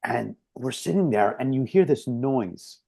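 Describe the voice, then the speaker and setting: A man co-hosting a casual podcast over a video call, telling animated, profane stories about a party he worked. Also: medium pitch, a little slow, creaky, slightly rough. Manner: animated storyteller, swears freely. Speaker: podcast co-host.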